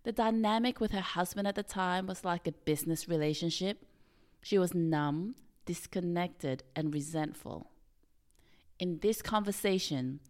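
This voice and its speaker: A woman hosting a podcast, introducing her guest and asking calm, measured questions. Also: on the low side. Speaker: podcast host. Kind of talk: podcast interview.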